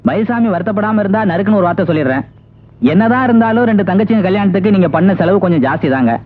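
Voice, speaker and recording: A curious, chatty village man with a fast, slightly raised voice. Heard through a thin, phone-like old soundtrack with a faint hiss behind him. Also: sits high, animated. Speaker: villager and town crier. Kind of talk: 1980s film acting.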